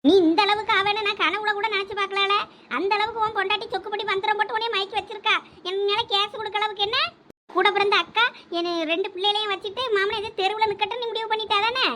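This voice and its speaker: A woman playing a defensive, sharp-tongued elder sister in a village comedy skit, speaking with a Thoothukudi Tamil accent and quick retorts. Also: extremely high pitch, steady tone, background noise. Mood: scolding.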